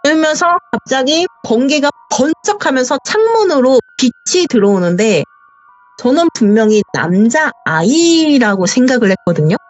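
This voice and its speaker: A woman caller telling a true ghost story with a rather high, lively voice that rises and falls a lot. She acts out the dialogue as she narrates. The sound is dull and lo-fi, like a voice call, with faint music underneath. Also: moderate pace.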